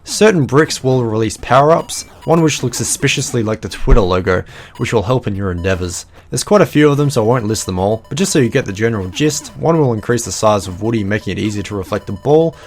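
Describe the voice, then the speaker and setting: A man's voice: fairly low pitch, lively intonation, quick pace, faint music behind. A man narrating a scripted retro video game review, with wry, self-deprecating jokes between points.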